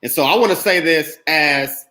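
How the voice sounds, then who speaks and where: Emphatic bright-voiced male podcast host. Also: fairly high pitch, moderate pace, echoey room. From Indianapolis, USA. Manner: emphatic, animated, speaks his mind. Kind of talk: casual podcast discussion.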